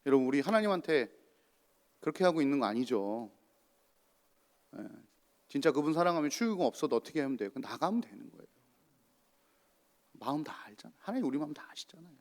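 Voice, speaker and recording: A man's voice: on the high side, very animated, quick pace, long pauses. A male pastor giving a sermon and asking the congregation rhetorical questions. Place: church. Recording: long church reverb.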